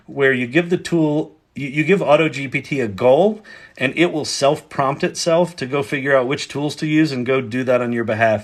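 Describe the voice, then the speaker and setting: A man speaks with a Pennsylvania accent. His pitch is fairly high, with ordinary pitch variation. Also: moderate pace. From Pennsylvania (York). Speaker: AI educator livestreamer and company owner. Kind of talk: livestream Q&A. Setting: livestream. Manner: loud.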